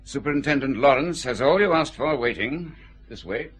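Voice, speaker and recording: A brisk senior cop, kinda husky, impatient. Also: male voice, medium pitch, expressive. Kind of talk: radio drama acting.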